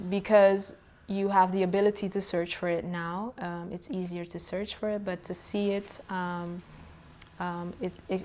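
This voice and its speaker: A woman from Suriname, a poet, answering interview questions in a hesitant way, with many pauses, ums and restarts. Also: on the low side, darkish tone, a little hiss or hum.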